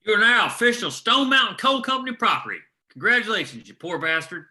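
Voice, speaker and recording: A man playing a gruff, world-weary, foul-mouthed veteran coal miner in a screenplay table read, with a sardonic, folksy delivery. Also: sits high, expressive, fairly quick, background noise. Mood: mock congratulation.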